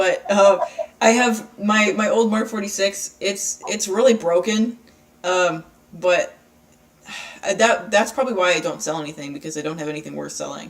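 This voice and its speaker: Moderate pace, broken by long, frequent pauses. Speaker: costume prop builder. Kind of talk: casual chat.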